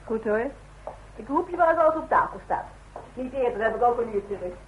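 Actress as brisk high-voiced daughter, old radio play. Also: female voice, expressive, lightly acted. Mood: brisk, bossy. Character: brisk, caring, sharp-tongued grown daughter running the household. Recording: dull old radio recording with hiss.

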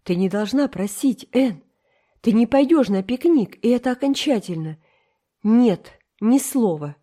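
A woman's voice: mid-range voice, moderate pace, warm tone, natural voice. A woman doing a stern older spinster. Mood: scolding. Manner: firm, scolding, clipped.

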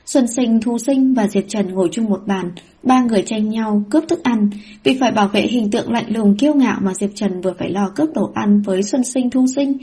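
A woman narrating a web novel audiobook in a lively storytelling manner. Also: a little high, fairly quick, slightly rough.

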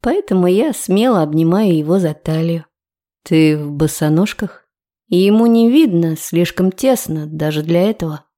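Женщина с низким мягким голосом. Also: female voice, lowish voice, animated, normal speed, mellow. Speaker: audiobook narrator. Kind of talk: first-person audiobook narration.

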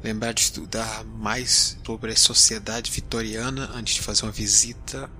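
A man's voice: on the low side, steady tone, normal speed, pushed and bright, faint music behind. A man voicing a grumbling, weary space captain. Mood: musing. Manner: grumbling, sarcastic, sighing. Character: weary male space explorer captain, easily exasperated.

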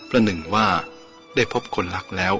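A man narrating a novel aloud in a measured, steady storytelling manner. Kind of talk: audiobook novel reading. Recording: dull lo-fi with faint music.

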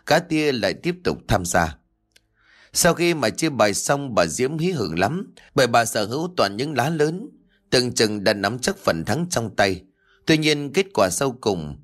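A man narrating a scripted horror folk tale in a dramatic way. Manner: dramatic, with sweeping pitch swings. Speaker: storyteller. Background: faint background music.

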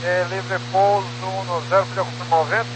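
A man's voice: high-pitched, flat delivery, a little fast. Crackly military-style radio, Brazilian male pilot. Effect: aviation radio transmission. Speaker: airline pilot on air traffic radio. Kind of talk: clipped radio readbacks to air traffic control. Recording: crackly radio with loud hum and static.

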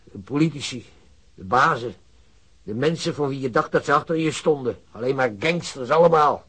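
A man's voice: mid-range voice, normal speed, a bit bright, slightly rough. An actor playing an old working-class father, plain-spoken, weary and loyal to his son, in a naturalistic radio drama. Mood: bitter, indignant. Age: older.

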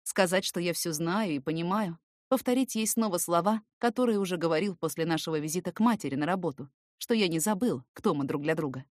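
A woman reading a first-person story as an expressive, scripted audiobook narration. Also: on the low side, a little fast, dry recording, clean studio sound.

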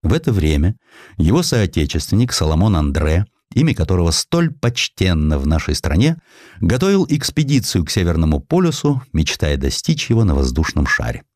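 A man reading a historical sketch as an audiobook narrator, in an expressive, dramatized storytelling manner with deliberate phrasing. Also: low-pitched, no echo, clean studio sound.

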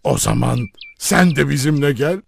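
A man voicing a fatherly donkey who leads an animal band, with a gravelly voice and a hearty, commanding manner, in a fairy-tale cartoon. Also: a little high, moderate pace, heavily acted. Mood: encouraging.

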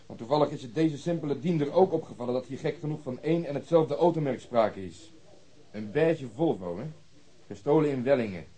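An actor playing a bossy, sarcastic police detective in a radio play, blunt and coarse in manner. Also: male voice, mid-range voice, lively intonation, a little fast, dark tone, breathy edge.

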